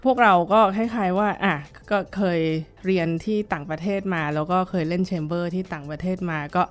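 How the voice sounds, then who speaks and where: A woman's voice: lowish voice, moderate pace, faint music behind. A middle-aged woman violin teacher recalling her past in a casual interview, talking thoughtfully with many fillers and restarts.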